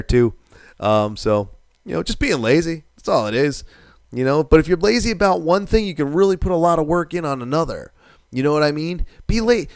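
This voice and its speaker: A man's voice: medium pitch, clear, resonant tone, no echo, studio quality. Rambling casual male stream host. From New England. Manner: rambling, swears casually, reads viewer comments aloud. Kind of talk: casual live stream chat.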